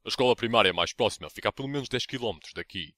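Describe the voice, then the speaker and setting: A man with a European Portuguese accent voicing a smug, foul-mouthed vampire in a comedic anime parody dub, deadpan and mocking. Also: fairly low pitch, rapid-fire, no echo. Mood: sardonic, mocking. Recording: noisy amateur dub with clicks.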